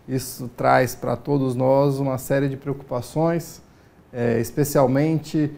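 A man in his forties answering a TV interviewer in formal, measured speech with frequent hesitant fillers, recorded on a lapel mic in a news studio. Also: on the high side, vocal fry, warm tone. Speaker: studio guest, lawyer.

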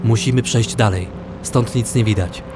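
A man's voice: fairly low pitch, normal speed, natural voice. A man playing a cautious, observant armed survivor in an audio horror drama, speaking tersely and urgently. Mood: tense, urgent. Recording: loud humming noise behind.

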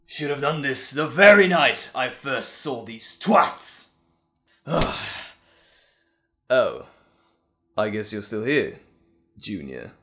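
Casting: sinister evil-twin villain for audio roleplay, slow, savoring pace, highly animated pitch, mocking and gloating. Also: male voice. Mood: menacing glee. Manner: mocking, drawn-out, theatrical delivery with chuckles. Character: gloating, sinister male evil alter ego, theatrical villain.

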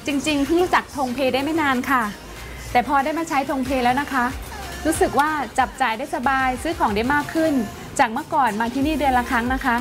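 A woman's voice: high-pitched, fast, music in the background. A woman giving an enthusiastic scripted testimonial in an ad. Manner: upbeat, enthusiastic. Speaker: ad testimonial speaker.

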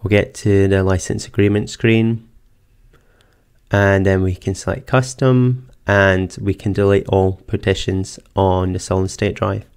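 A man narrating a screen-recorded computer tutorial, calmly explaining each step in order. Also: low voice, unhurried, clear, resonant tone. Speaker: tech tutorial presenter. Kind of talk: screen-recorded software walkthrough. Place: voice-over for screen capture.

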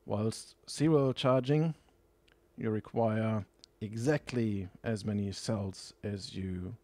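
A man's voice: on the low side, slow pace, mellow, no echo. A man narrating a hands-on technical tutorial in a methodical, explanatory, matter-of-fact manner. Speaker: tutorial presenter.

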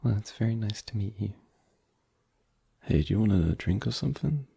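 A man's voice: on the low side, animated, normal speed, gravelly, dark tone, breathy edge, heavily acted. A young man voicing an easygoing boyfriend in an ASMR roleplay, hesitant and filler-heavy, turning teasing. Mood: relaxed. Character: easygoing young adult boyfriend hosting friends.

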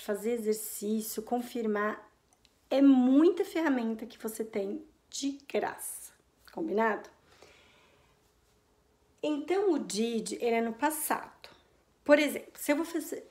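A woman's voice: a little high, darkish tone. A Brazilian woman teaching English in a casual online lesson, checking in often with her students and drawing out her English example phrases. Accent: Brazilian Portuguese. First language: Portuguese. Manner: chatty, checks in often with "ok?" and "combinado?".

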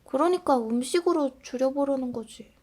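Woman as a pouty, grumbling girlfriend on a diet, bright high voice, soft role-play delivery. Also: moderate pace. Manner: grumpy, sulky, pouting. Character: dieting girlfriend, low on self-esteem. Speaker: ASMR role-play creator playing a girlfriend.

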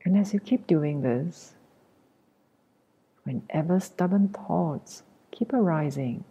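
A woman leading a guided meditation as a teacher, speaking gently with long pauses in a soft, breathy voice that nears a whisper. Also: deep voice, highs cut off. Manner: gentle, unhurried, long pauses between short phrases.

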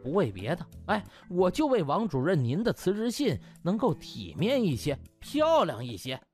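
Man acting a smug, animated young schemer. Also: high voice, soft background music. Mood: oily mock helpfulness. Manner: oily fawning mockery, drawn-out interjections, chuckling. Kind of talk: audiobook character acting.

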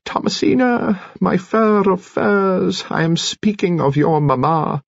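A man voicing a pompous, eccentric gentleman in a storybook reading, with florid, long-winded and aggrieved phrasing. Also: sits high, expressive, takes it slowly, gravelly, no room sound, dull audio, voice pushed up, heavily acted. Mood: pompous indignation. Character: pompous, eccentric widowed cat-owner, ornate and aggrieved gentleman.

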